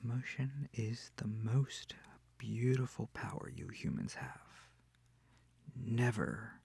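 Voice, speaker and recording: A sweet, comforting incubus demon played by a man speaks close and dry in an ASMR roleplay. His voice is soft and breathy with a touch of gravelly creak, and he takes his time, tender and a little hesitant. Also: medium pitch, lively intonation, slow pace, no room sound, full character voice. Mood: tender, soothing. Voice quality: breathy, often near whispering. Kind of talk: intimate ASMR audio roleplay.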